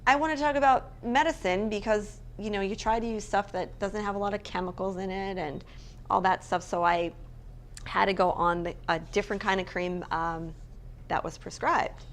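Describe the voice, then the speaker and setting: A woman's voice: medium pitch, steady tone, moderate pace. Chatty woman co-host telling stories. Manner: chatty storyteller, self-mocking. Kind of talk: casual chat. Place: hotel room.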